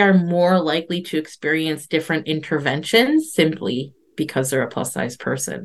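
A woman with an American accent talks at a moderate pace, her pitch very deep and low. Her intonation is lively, and the background is quiet. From United States. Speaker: doula and childbirth educator. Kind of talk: interview.

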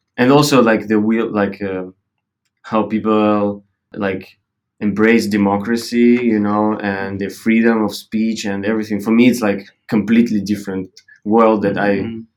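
A man talks at a moderate pace with an accent that is Russian and monotone, flat intonation. The background is quiet. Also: fairly low pitch for a man. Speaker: filmmaker and curator. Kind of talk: interview.

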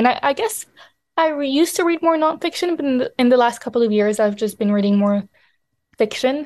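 A woman with a French accent speaks at a fairly quick pace with lively intonation against a quiet background. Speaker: author. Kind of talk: interview. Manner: hesitant, repeats words.

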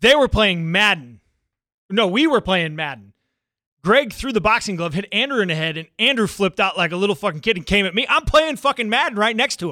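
A man's raised, projected voice with a high pitch, a bright, sharp tone and very wide pitch swings, in a very clean recording with a silent background. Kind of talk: casual banter, joking chat.

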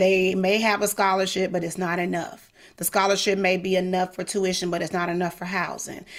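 A woman with a Mississippi accent, medium pitch and a fairly quick pace. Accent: Southern US, Mississippi. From US South, Mississippi. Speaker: dance coach and studio owner. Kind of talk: interview. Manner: animated.

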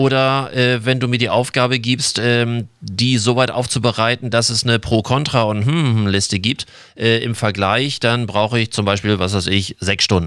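Speaking with a plain, everyday voice, a man at medium pitch keeps a moderate pace and fairly even intonation with hardly any pauses. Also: very even loudness. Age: 50s. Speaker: management consultant and podcast host. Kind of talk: casual chat.

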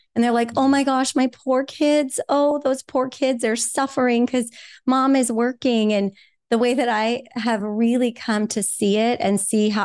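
In a normal speaking voice, a woman with a fairly high pitch talks at a moderate pace with ordinary pitch variation over a quiet background. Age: 40s. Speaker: entrepreneur and coach. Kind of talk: casual interview.

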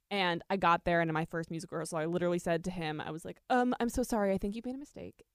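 With an American accent, a woman talks at a very fast pace with hardly any pauses, her pitch fairly low with ordinary variation. The sound is dry and close with no echo. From South Florida. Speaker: Broadway actress. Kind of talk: casual interview chat.

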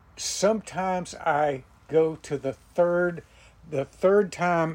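With a Florida accent, a man speaks very slowly at a fairly high pitch with fairly even intonation. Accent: Southern US (rural Florida). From US South, north central Florida. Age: 70s. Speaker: beekeeper and honey seller. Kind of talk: casual chat.

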